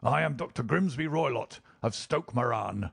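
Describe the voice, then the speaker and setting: A raspy, put-on character voice moves at a moderate pace with very wide pitch swings. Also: man, medium pitch for a man. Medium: read story. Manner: aggressive, menacing.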